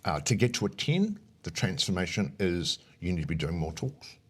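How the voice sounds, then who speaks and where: A man's voice: deep voice, sing-song, moderate pace, slightly rough. A man talking as a coach in a conversational interview, explaining his points emphatically and often punctuating them with short check questions. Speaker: speaker coach, interview guest.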